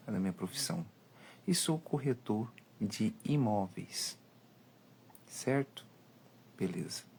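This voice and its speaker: Brasileiro enfático de voz grave. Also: male voice, lowish voice, darkish tone, slight background noise. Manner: emphatic, preachy, acts out dialogues. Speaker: live-stream host. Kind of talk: live monologue, advice talk.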